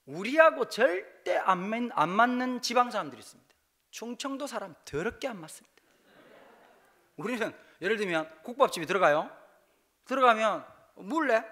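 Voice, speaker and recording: A man with a Busan-area Gyeongsang accent preaches at a church revival, spinning comic personal stories. His voice sits high and bright, and he swings his pitch widely as he jokes and acts out bits of dialogue. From Busan, South Korea. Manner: lively, jokey, acts out dialogue in dialect. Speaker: guest pastor preaching a revival service. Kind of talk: humorous storytelling sermon. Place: church sanctuary.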